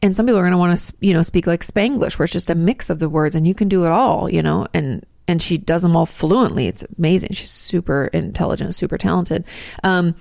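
A woman's voice: fairly low pitch, brisk, gravelly, darkish tone, no echo, clean studio sound. A woman in her thirties hosting her channel, answering viewer questions in a chatty, rambling way with asides and restarts. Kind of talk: casual advice talk.

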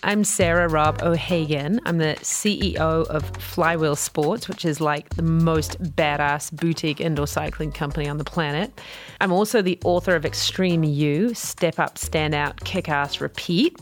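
A woman's voice: deep voice, fairly even intonation, moderate pace, soft background music. A middle-aged woman with a New Zealand accent, telling candid, upbeat stories about her career in a casual way. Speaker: guest, company CEO. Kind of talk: casual storytelling.

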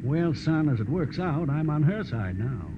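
Animated, folksy American lawman, old radio. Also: fairly high pitch, moderate pace. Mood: wry, paternal. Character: seasoned lawman, paternal, folksy, slyly good-humored. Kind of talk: 1940s radio detective acting. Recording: muffled, noisy old radio recording.

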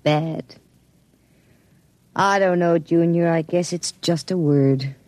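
A woman's voice: on the low side, slow pace, darkish tone, dry recording. An actress playing a frightened young woman who speaks anxiously and pleads, in an old radio drama. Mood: uneasy. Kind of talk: 1950s radio drama acting.

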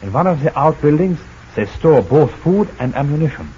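A man's voice: on the high side, animated, normal speed, mellow, natural voice. A man playing a curt resistance fighter with stiff foreign word order, in old-time radio drama style. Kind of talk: 1940s radio acting. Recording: dull old radio recording, faint hiss.

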